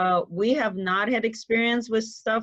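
Speaking at a moderate pace with ordinary pitch variation, a woman talks with a non-native accent. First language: not English. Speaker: surgeon. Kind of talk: lecture; Q&A answers. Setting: video call.

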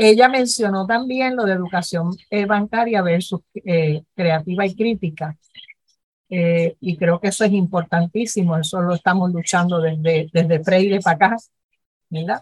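A woman's somewhat breathy voice at a moderate pace, dry and close with no echo. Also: medium pitch for a woman, ordinary pitch variation. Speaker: psychologist. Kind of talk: casual chat.

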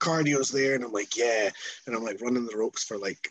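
Recorded with a dry, close sound and no echo, a man speaks fairly quickly with a Scottish accent. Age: 30s. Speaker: professional wrestler. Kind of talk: casual chat.

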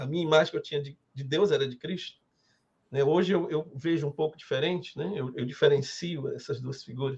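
A man with a normal speaking voice, pitched fairly high, delivers his words fairly quickly with ordinary pitch variation. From Brazil, Ceará (Fortaleza). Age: 50s. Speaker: spiritual mentor and psychoanalyst. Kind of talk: interview. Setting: studio, live stream.

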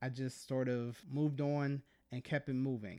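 In a very clean recording with a silent background, a man at medium pitch speaks at a very slow pace with ordinary pitch variation. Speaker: podcast host and playwright. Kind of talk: personal testimony monologue.

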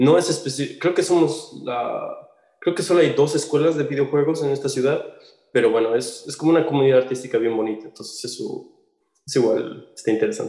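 A man talks at a fairly high pitch with a dark, mellow tone. His pace is fairly quick, and his pitch varies an ordinary amount. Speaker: game artist. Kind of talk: casual interview. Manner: hesitant, many fillers.

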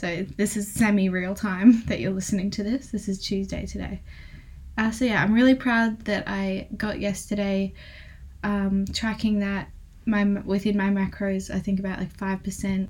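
A woman with a medium pitch speaks at a moderate pace, somewhat breathy and in a monotone, flat intonation. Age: young. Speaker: podcast host and amateur bodybuilder. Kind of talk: casual solo podcast chat.

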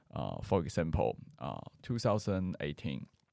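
A man with a Mandarin accent speaks in a very deep, low voice with vocal fry. His pitch swings very widely. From Taiwan. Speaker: former political party youth member. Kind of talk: interview. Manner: halting.

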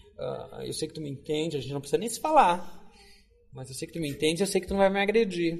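A man talks at a very fast pace in a high voice, with ordinary pitch variation and big swings in loudness. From Rio Grande do Sul, Brazil. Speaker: museology professor. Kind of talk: interview conversation. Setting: conference venue. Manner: gentle, soft-spoken.

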